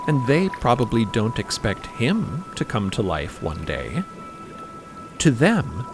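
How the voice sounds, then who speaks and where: A man narrating scripted fiction in a musing way, with deliberate, pausing phrases. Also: mid-range voice.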